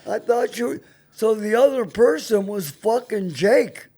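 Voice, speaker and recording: Older male talk host, high-pitched and mellow. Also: animated, unhurried. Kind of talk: casual, joking interview chat with profanity.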